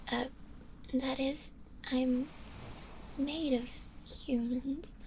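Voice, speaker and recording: A woman voicing a shy, gentle undead zombie girl in an ASMR roleplay, speaking softly and breathily in a hesitant, bashful way, often in a whisper. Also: high-pitched, steady tone, a little hiss or hum, rough recording. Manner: hesitant, bashful, halting with small giggles.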